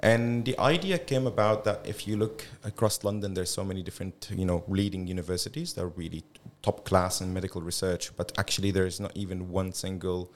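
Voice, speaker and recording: A man's voice: sits low, steady tone, a little fast. A middle-aged man from Belgium and Syria, a gynecologist guest on a podcast, speaking with many restarts and fillers. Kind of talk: podcast interview.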